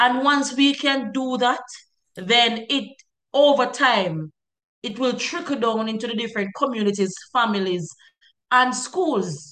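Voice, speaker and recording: A woman with a Jamaican accent speaks in a high, bright, sharp voice with lively intonation and long, frequent pauses. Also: fairly slow pace. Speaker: mental health advocacy researcher. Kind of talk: radio interview.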